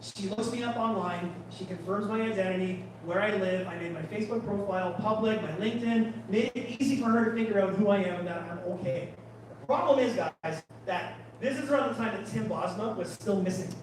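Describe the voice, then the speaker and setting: A man giving a live talk as a photographer, an animated, chatty storyteller who often backtracks and restarts. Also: high-pitched, a little fast, a little hiss or hum. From Canada. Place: large room at a photography guild talk. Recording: very echoey room, far from mic, faint ambience.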